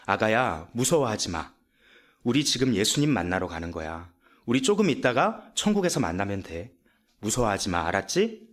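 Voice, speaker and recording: A man acting out a calm young mother who comforts her child in a soft, hushed voice. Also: on the low side, normal speed, pitched below the performer's own voice. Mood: tender. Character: calm, gentle young mother facing death.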